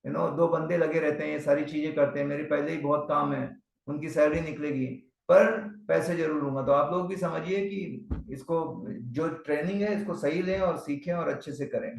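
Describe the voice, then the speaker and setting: Gravelly man coaching over an echoey call. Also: fairly high pitch, steady tone, moderate pace, few pauses. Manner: exhorting, repeats points in short bursts. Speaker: real estate coach. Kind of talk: motivational coaching talk on a video call. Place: video call. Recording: echoey and distant from the mic.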